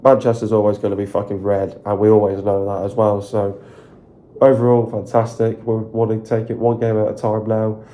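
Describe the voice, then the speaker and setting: Hoarse man gushing about a football win. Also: lowish voice, normal speed. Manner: repetitive, filler-heavy, excited rambling. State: hoarse, sore throat. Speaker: football fan channel host. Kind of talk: casual solo video commentary.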